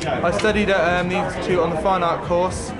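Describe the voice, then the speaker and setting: A young man in his twenties, a recent art graduate, explaining things hesitantly with many pauses. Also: sits high, fairly even intonation. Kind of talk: interview answers. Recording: loud music underneath.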